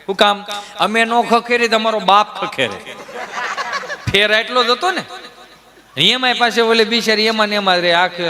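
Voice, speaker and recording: A male stand-up comedian, telling folk jokes in a lively, rustic storytelling manner while acting out characters. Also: high-pitched, normal speed, long pauses, crowd noise.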